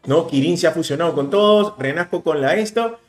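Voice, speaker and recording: A man in his thirties with a Peruvian Spanish accent, commentating a card game replay in a casual, animated way. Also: on the high side, roomy sound. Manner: animated, explaining plays rapidly with bursts of emphasis. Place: indoor room, webcam overlay.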